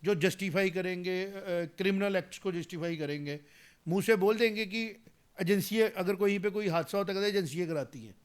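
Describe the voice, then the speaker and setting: As a guest commentator in an interview, a man in his 40s talks briskly in a high voice. His political commentary is emphatic, mixing in English phrases and rising into heated argument.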